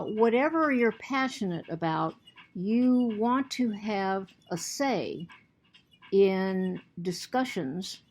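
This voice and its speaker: A woman's voice: medium pitch, darkish tone. A woman teacher giving a recorded lecture to her students, earnest, often repeating and restarting words, and she has the hiccups.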